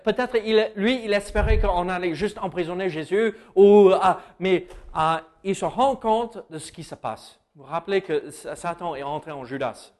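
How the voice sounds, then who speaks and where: An American man preaches in a loose, conversational way, often pausing and correcting himself. His voice sits a little high. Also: darkish tone. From United States. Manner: conversational, many hesitations and self-corrections. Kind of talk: sermon.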